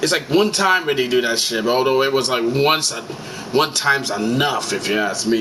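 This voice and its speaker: Noticeable background noise runs through the clip. A man speaks in a medium pitch. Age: 30s. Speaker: gaming YouTuber. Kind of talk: rant. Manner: animated.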